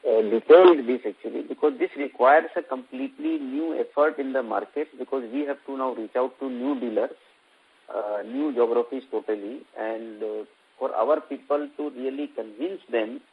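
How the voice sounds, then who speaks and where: Husky Indian man on a tinny phone line. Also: mid-range voice, moderate pace. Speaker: company executive answering investor questions. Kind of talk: earnings conference call answer. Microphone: conference call phone line. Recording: muffled, very narrow phone-line audio.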